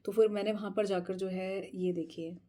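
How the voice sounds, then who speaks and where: Warm-voiced woman telling a lively story. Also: medium pitch, normal speed. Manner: animated, laughs often while retelling; mixes English phrases into speech. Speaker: tarot channel host. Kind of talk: casual travel storytelling.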